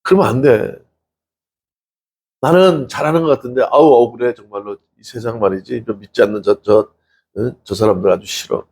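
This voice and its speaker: Gravelly middle-aged male pastor, chatty sermon. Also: medium pitch, fairly quick, a little mellow. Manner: chatty, asks the congregation questions, laughs often, acts out quotes. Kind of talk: conversational sermon.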